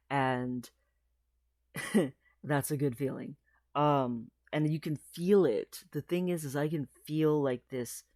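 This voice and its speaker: Studio-quality audio with no room sound captures a trans man's mid-range, slightly mellow voice as he rambles through a casual video diary. The vlogger is chatty, fills his speech with fillers, laughs a lot, and his voice cracks at times.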